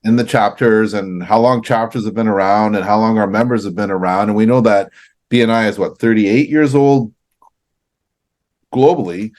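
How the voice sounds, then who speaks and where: A man's voice: fairly low pitch, normal speed, a little mellow. A man from Canada co-hosting a casual business chat, talking loosely with fillers and restarts. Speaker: co-host.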